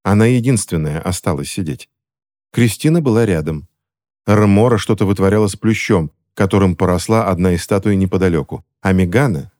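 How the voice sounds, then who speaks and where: A man reading a fantasy novel aloud as an audiobook narrator, in a steady, dramatic way. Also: low-pitched, brisk.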